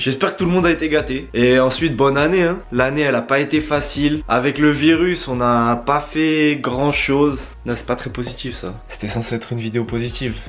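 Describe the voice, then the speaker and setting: A man with a fairly high voice talks at a fairly quick clip, barely pausing and using ordinary pitch variation, amid noticeable background noise and audible room echo. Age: 20s. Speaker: skateboarder youtuber. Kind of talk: casual Q&A vlog. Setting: bedroom. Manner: animated, casual.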